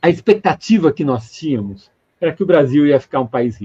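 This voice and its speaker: A man talks at a fairly quick pace, his dark, mellow tone somewhat breathy. His pitch swings very widely, and the sound is dry and close with no echo. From Brazil. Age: 60s. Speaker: economist. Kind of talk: interview.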